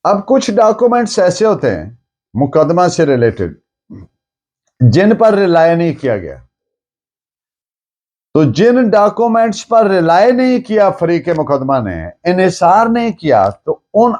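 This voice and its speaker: In a high, sing-song voice with a darkish tone, a Pakistani-accented man lectures on law. He speaks deliberately and didactically, dropping in English terms and putting each point again in plain language.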